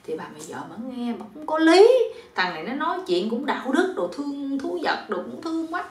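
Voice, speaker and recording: A woman's voice: high-pitched, sing-song, a little fast, recorded from a distance. A woman with a Southern Vietnamese accent telling a folk tale casually, chatty, with asides to the listener. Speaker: storyteller. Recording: roomy echo.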